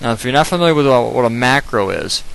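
The man's voice has ordinary pitch variation and a dry sound with no echo. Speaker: network instructor. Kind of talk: lecture. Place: home room. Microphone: headset.

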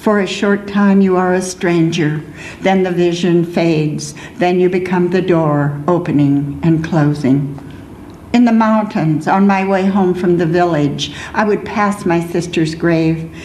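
A woman's fairly low voice, fairly slow and very even in loudness, with fairly even intonation, audible room echo and light background noise. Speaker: poet. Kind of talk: poetry reading. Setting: stage with audience. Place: hall. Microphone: podium.

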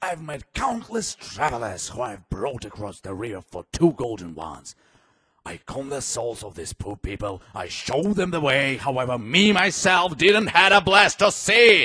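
A man's cartoonish character voice at a medium pitch, with very wide pitch swings and a moderate pace. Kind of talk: adult cartoon comedy. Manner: weary, brooding, melodramatic.

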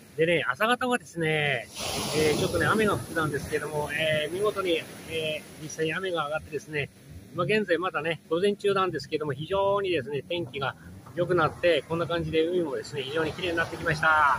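Over noticeable background noise, a man speaks at a fairly high pitch, his loudness swinging widely. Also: ordinary pitch variation, fairly quick pace, dry sound with no echo. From Japan. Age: 60s. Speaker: YouTuber commentator. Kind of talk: casual vlog commentary. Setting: hotel by the sea. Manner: many fillers, hesitant. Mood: critical, lecturing.

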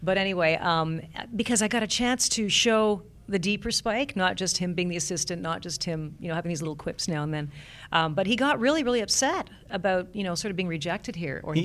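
With lively intonation, a woman talks at a fairly quick pace. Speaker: voice actress. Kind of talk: interview answer. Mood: enthusiastic, warm. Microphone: handheld.

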